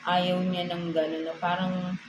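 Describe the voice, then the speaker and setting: A woman with a Filipino accent gives a relaxed tarot reading, mixing two languages and checking in with "no?" after nearly every thought. Her voice sits a little low. The recording carries a noticeable room echo with steady background noise. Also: unhurried. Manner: code-switching, frequent tag "no?". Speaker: tarot reader.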